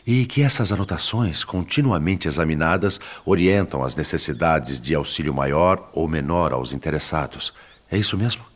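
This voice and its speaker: A respectful spirit companion in a Brazilian radio drama. The voice is exceptionally deep, and he speaks in a formal, inquiring way. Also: animated, moderate pace. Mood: curious, respectful.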